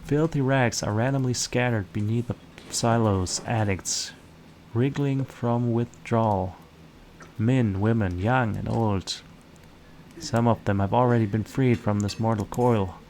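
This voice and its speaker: A man's voice: on the low side, measured pace, darkish tone, a little hiss or hum, poor audio. A man reading aloud as the grim, dramatic narrator of a visual novel. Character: grim literary narrator of a squalid post-apocalyptic slum.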